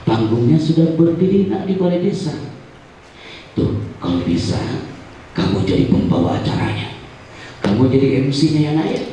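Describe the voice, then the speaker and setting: A man voicing his own father, gently urging a young son in a low, soft voice. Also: expressive, moderate pace, pauses often, slight background noise, lightly acted. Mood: coaxing. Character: gentle coaxing father of a boy. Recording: echoey hall, distant mic.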